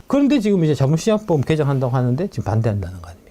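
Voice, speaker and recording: A man's voice: mid-range voice, huge pitch swings, racing, warm tone. A man commenting on the stock market, ranting with indignant, mocking rhetorical questions and occasional profanity. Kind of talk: heated political and market commentary.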